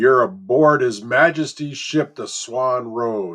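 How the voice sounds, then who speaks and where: A man performs a put-on character voice at a medium pitch. His intonation is lively and his pace fairly slow. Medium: read story. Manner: gruff, mocking.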